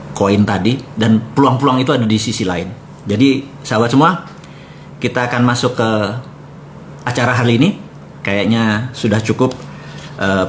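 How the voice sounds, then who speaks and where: A man's voice: mid-range voice, a little hiss or hum. A man hosting a live talk, telling stories in a casual way and mixing English phrases into his speech. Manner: mixes English phrases into speech, animated when quoting.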